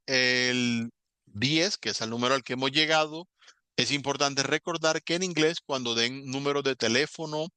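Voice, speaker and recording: Male English teacher, bright tone, smooth clear voice, dry close sound, patient step-by-step explaining. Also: mid-range voice, no room sound. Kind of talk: online class walkthrough.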